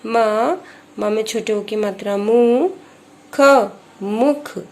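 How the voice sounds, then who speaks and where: A woman teaching a slow phonics lesson to young children, patiently spelling out each letter and vowel sign one at a time. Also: mid-range voice, warm tone. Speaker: primary school teacher.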